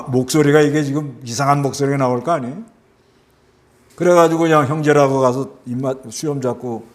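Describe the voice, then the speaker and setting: Busan pastor preaching in a chatty way. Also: male voice, medium pitch. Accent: Busan Gyeongsang. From South Korea. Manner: conversational preaching with rhetorical questions and acted-out voices. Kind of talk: sermon.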